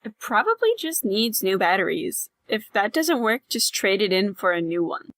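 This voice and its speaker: A woman's voice: medium pitch, very animated, normal speed, a bit bright, no echo. A woman playing a sardonic, blunt young best friend in an audio drama. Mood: nonchalant.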